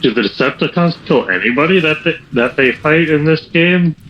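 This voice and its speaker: A man's voice: fairly high pitch, expressive, moderate pace, dull audio, slight background noise. A man co-commentating a video game in casual banter, with terse, contrary interjections.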